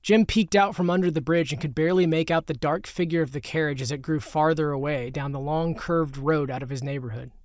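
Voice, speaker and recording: Male audiobook narrator, slightly high voice, steady storytelling, dry close recording. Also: brisk, hardly any pauses, no room sound.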